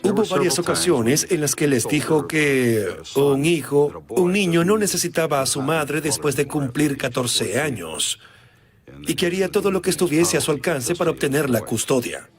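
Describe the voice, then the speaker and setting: A man's voice: a little high, animated, moderate pace. Hesitant male investigator recalling a case. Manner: reflective, with hesitant fillers. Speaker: investigator interviewee. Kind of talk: documentary interview recollection.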